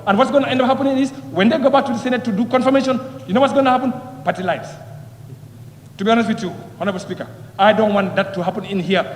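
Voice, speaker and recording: Impassioned man, high voice. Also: very fast. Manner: impassioned, repeats phrases, rhetorical questions. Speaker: member of parliament. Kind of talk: parliamentary debate speech. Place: parliament chamber. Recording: echoey hall with long reverb.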